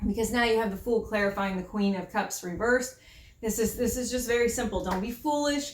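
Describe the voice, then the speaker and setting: A woman speaks in a fairly high voice with an American accent. Her pace is fairly quick, and there is noticeable background noise. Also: ordinary pitch variation. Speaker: tarot reader YouTuber. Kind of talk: tarot reading. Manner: casual, animated.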